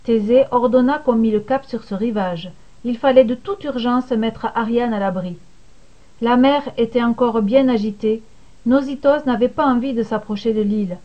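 A woman reading a serialized myth aloud in scripted storybook narration, with an expressive, dramatic delivery. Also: on the high side. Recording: dull lo-fi recording.

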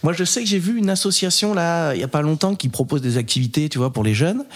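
A man talking film on a podcast in a loose, rambling way, with hesitant fillers and small chuckles between thoughts. His voice sits a little higher than most men's. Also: lively intonation, fast talker. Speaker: podcast co-host or guest. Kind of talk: casual film chat.

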